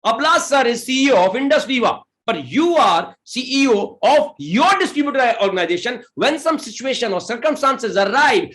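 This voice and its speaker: Man, Indian English accent, high voice, unhurried pace, motivational seminar, mixes English and quick Hindi. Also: fairly bright tone. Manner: mixes slow, deliberate English with rapid Hindi; rallying the audience with questions. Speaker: direct selling leader and motivational speaker.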